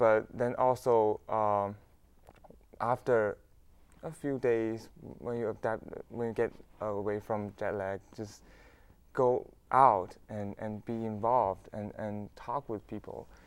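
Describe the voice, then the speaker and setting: A man with a Chinese accent speaks at a medium pitch. He goes very slowly, with long, frequent pauses. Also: fairly even intonation. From China, Dalian. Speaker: university student. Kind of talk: interview. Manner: halting.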